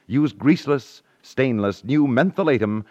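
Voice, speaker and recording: A man's voice: medium pitch, animated, unhurried, darkish tone, dry recording. A man delivering a scripted commercial as a 1950s radio announcer. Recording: dry, dull 1950s radio recording.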